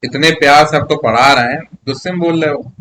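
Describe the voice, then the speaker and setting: A man with a fairly high voice teaches a live online maths class, talking quickly in a sharp tone over a faint hiss or hum. He's chatty and coaxing, and keeps checking that his students follow by asking "yes or no?"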